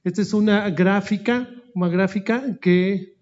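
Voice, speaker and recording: A man with a Spanish accent presents slides slowly and haltingly, often stopping to search for words. His voice sits a little high for a man. The audio is dull and lo-fi. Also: a little mellow. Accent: Spanish-speaking, mixing Spanish into Portuguese. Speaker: speaker at an anniversary event.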